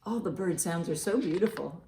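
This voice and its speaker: A woman hosting a children's storytime in an animated, encouraging, sing-song way, with rhymes and picture-book reading. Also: on the low side, moderate pace, a little hiss or hum. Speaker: library storytime host. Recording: roomy, echoey indoor sound.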